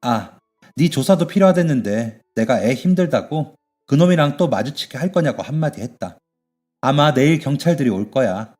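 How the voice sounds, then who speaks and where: A man voicing a tough but caring middle-aged woman who runs a bathhouse, yelling at thugs and fussing over her young worker in a radio story. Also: medium pitch, lively intonation, moderate pace, faint music behind, natural voice. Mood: doting. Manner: shouting threats, then fussing warmly.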